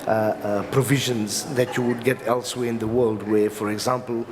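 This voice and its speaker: A man with a South African accent giving an explanatory conference talk as a legal professional, in a halting, hesitant delivery with repeated words. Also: lowish voice, little pitch movement. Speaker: company lawyer speaking as a summit panelist. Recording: reverberant hall with clear background noise.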